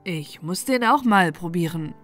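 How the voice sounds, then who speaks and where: A woman's voice: lowish voice, lively intonation, measured pace, fairly bright tone, soft background music. A woman voicing a cheerful, curious young king's son in a bedtime fairy tale, exclaiming in wonder.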